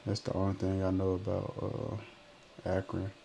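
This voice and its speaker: A twenty-something man from Memphis, Tennessee, chats casually on a live stream, reading viewer comments in laid-back slang and trailing off mid-sentence. His voice is low, monotone, creaky, and warm at a normal pace, with slight background noise.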